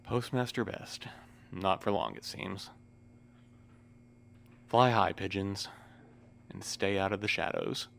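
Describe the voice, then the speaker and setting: A man playing a menacing, mocking spirit in an audio drama, with a gravelly voice and slow, taunting, ominous delivery. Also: low voice, a bit bright, exaggerated voice. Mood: ominous mockery. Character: menacing male spirit, mocking, cryptic dark bargainer. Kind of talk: fiction podcast acting. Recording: noticeable noise and hum.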